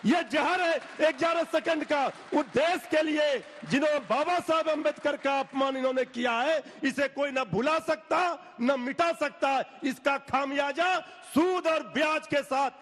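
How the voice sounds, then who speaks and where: A man arguing as a party spokesman in a TV debate, forceful and rhetorical, rising at times to shouting. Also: very high-pitched, unhurried, hardly any pauses, long reverb tail. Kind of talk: heated political debate.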